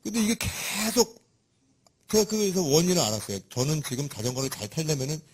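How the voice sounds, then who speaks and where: A man preaching a sermon in a lively, conversational and humorous way, with a husky voice. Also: on the high side, fairly quick, a little hiss or hum.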